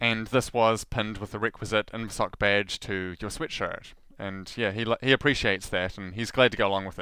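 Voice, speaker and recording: A man speaks with a New Zealand accent in a bright, sharp tone at a moderate pace. His loudness swings widely, on a very clean recording with a silent background. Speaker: podcast host. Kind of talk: casual podcast monologue. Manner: chatty, animated.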